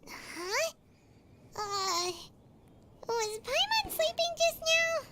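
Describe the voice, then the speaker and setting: A woman voicing a small, childlike, cheerful female companion in a video game, squeaky and speaking of herself by name. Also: sing-song, drawn-out words, heavily acted. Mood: sleepy, sheepish. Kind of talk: scripted video game voice acting.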